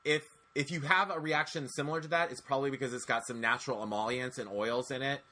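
A man in his forties hosting a podcast, telling stories in a chatty, animated way with lots of restarts. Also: mid-range voice, fast talker. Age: 40s. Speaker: podcast host. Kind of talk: casual podcast chat.

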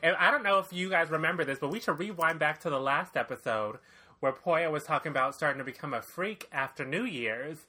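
Very bright, sassy male co-host. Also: fairly high pitch. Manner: sassy, teasing, quick to laugh. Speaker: podcast co-host. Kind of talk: casual chat.

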